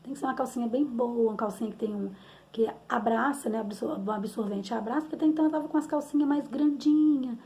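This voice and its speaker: A woman's voice: a little high, fast, mellow. A middle-aged woman with a Brazilian Portuguese accent, telling a personal story as a mother in a candid, rambling, conversational way, often tagging her sentences with questions.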